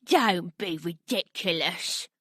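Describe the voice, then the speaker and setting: A woman voicing a fussy, doubtful male roly-poly bird in a storybook audiobook, with a high, squeaky, incredulous manner. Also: expressive, takes it slowly, a bit bright, husky, no echo, clean studio sound, full character voice. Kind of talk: audiobook character voice.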